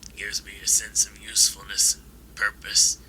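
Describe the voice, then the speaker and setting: An actor playing a kindly, folksy old man in an audio drama, talking in an unhurried way. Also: fairly low pitch, completely flat delivery, sharp tone, slight background noise, rough recording. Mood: warm, reflective. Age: older.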